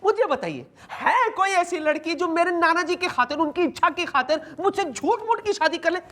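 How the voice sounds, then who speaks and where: A melodramatic, scheming officer pleads and flatters far beyond reason. His voice rides high and theatrical, in sitcom style. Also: normal speed, heavily acted. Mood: pleading. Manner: over-the-top pleading and flattery. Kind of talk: sitcom acting.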